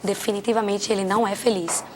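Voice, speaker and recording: A woman's voice: mid-range voice, fairly even intonation, fast talker, a little mellow, slight background noise. A young Brazilian woman, a guest on a talk show, giving an emotional, earnest personal testimony. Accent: Brazilian Portuguese. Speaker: guest, journalist and former model.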